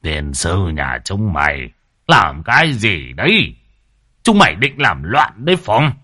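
A man voicing an old clan elder gruffly scolding his quarrelling relatives in a storybook tale. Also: on the low side, sharp tone, heavily acted.

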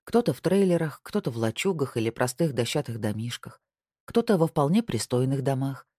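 An audiobook narrator reading a novel in an even, unhurried storytelling manner. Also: medium pitch, no echo, clean studio sound. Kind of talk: scripted narration.

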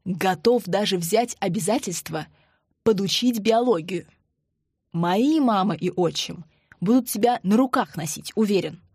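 A woman's voice: mid-range voice, a little slow, darkish tone, breathy edge, no room sound. A woman voicing a young man who talks in a dry, teasing way. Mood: wry. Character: young man, wry and joking.

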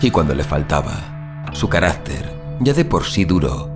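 A man's voice: very deep voice, sing-song, unhurried, heavily acted. A man playing a tormented superhuman vigilante who narrates his own fall into violence in a brooding, dramatic horror audio drama. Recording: dramatic music behind the voice.

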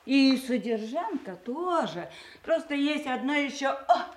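An actress playing a bitter, mocking grown daughter in a Russian radio play, with a sarcastic, theatrical delivery. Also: female voice, sits high, expressive, measured pace. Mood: taunting.

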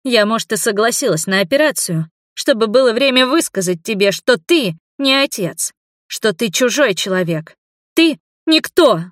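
A young daughter bursts out in high, loud, accusing cries, as a woman narrator puts her on. Her voice sits well above the reader's usual low tone and cracks with tears. The recording is dry and close. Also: big pitch swings, takes it slowly, no echo, full character voice. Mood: angry shouting. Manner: shouting, tearful, accusing.

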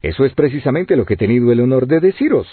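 A man's voice: medium pitch, big pitch swings, fast, breathy edge, no echo. A man voicing an obstinate, grumbling grown sailor in a tinny, lo-fi audiobook recording. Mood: stubborn. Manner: grumbling, stubborn.

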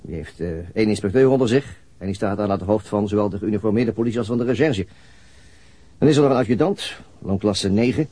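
An actor playing a weary, matter-of-fact police detective in a naturalistic radio drama, laconic and dryly explanatory. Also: male voice, lowish voice, fast talker, dark tone, slightly rough, no room sound.

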